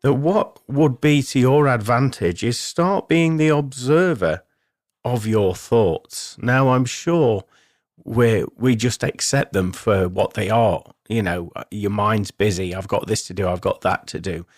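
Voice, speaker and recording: A man hosting a spiritual self-help radio show, talking in a measured, explanatory way with deliberate pauses. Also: fairly low pitch, dry recording, clean studio sound.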